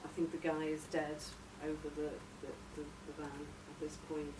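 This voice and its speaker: Woman, tentative informal story pitch, searching for words, far from the mic, clearly noisy recording. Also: completely flat delivery, moderate pace. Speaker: workshop participant presenting a radio drama outline. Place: echoey room, recorded from a distance. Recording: roomy, distant mic, noisy background.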